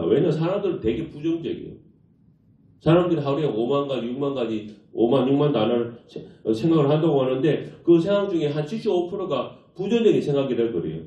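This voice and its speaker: Lively male pastor preaching in echoey church. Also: a little high. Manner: animated preaching, rhetorical questions to the congregation. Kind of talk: sermon. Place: church sanctuary. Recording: echoey church hall, distant mic, dull lo-fi.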